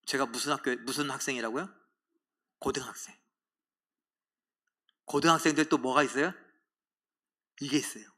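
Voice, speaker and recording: A middle-aged male pastor preaching a sermon, swinging between loud emphatic outbursts and hushed, whispered asides. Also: mid-range voice, moderate pace, long pauses.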